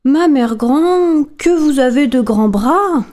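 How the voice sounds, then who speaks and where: A woman's voice: animated, slow pace. A woman doing a wide-eyed little girl. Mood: wondering. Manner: high, bright, wide-eyed.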